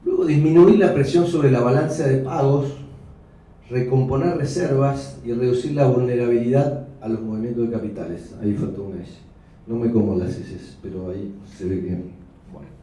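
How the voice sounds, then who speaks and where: A man with an Argentine Spanish accent giving an economics talk with slides, measured and explanatory, correcting himself as he goes. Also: medium pitch, warm tone. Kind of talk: lecture with slides. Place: hotel function room. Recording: echoey room, mic far off.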